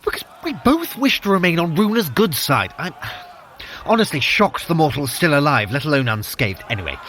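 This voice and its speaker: A sardonic, cautious god in an audio drama, speaking with dry, articulate disbelief. His voice is lightly pitched and lively, with ambient noise clearly behind it. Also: a little fast. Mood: exasperated. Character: exasperated, sardonic Asgardian god, cautious and urbane.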